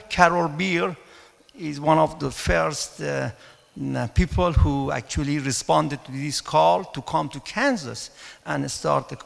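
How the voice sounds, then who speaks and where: Gravelly middle-aged Persian-accented man in a hall. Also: fairly high pitch, a bit bright. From Iran. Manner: hesitant, halting delivery with frequent pauses. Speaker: mathematics professor and conference speaker. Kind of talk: informal conference presentation. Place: large conference hall, indoors at a podium. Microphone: handheld microphone. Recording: echoey hall with long reverb.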